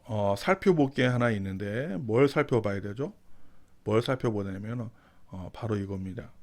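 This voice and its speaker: A man teaching English through Bible verses. He reads each verse very slowly, then explains it, repeating and rephrasing the key words. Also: mid-range voice.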